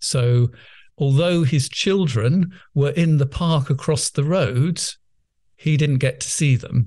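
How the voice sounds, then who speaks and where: Speaking very slowly, a man uses a dark, mellow, somewhat breathy tone with ordinary pitch variation. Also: fairly high pitch for a man. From England. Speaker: marital therapist. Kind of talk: casual interview chat.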